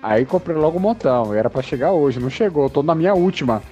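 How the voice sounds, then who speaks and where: A man's voice: a little high, animated, quick pace, dark tone, dull audio, faint music behind. A man in a casual live podcast chat, complaining in an exasperated way.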